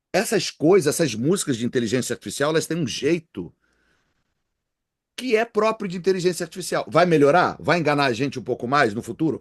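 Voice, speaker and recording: A man's fairly high voice at a fairly quick pace, with very wide pitch swings and long, frequent pauses. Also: dry, close sound with no echo. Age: 60s. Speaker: DJ and music producer. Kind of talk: casual chat.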